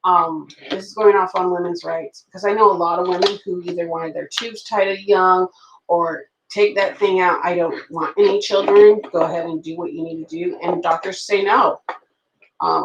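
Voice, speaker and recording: A woman's voice: on the low side, echoey room, muffled recording, noisy background. A woman in her late thirties chatting loosely with her viewers while journaling at home, reacting to their comments as she goes. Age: late 30s. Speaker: planner vlogger. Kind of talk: rambling live chat while journaling.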